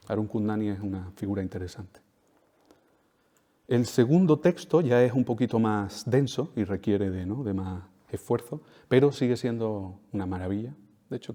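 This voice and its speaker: A man lecturing with a low, mellow voice. He drives his points home by repeating phrases and tagging them with quick questions to the audience. The sound carries a long hall reverb. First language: Spanish. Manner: emphatic, repeats key phrases, tag questions. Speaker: speaker at a talk.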